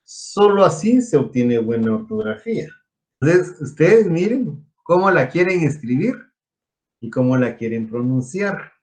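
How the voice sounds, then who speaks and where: A man's voice: on the high side, big pitch swings, measured pace, darkish tone. Man teaching an engineering class. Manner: explanatory, asks students questions. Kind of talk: online class lecture.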